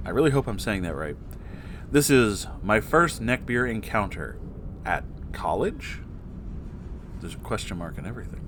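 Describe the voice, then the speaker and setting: A man's voice: on the low side, sing-song, moderate pace, pauses often, background noise. A man hosting a story reading, narrating an online tale expressively and conversationally, with asides of his own. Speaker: host reading Reddit stories.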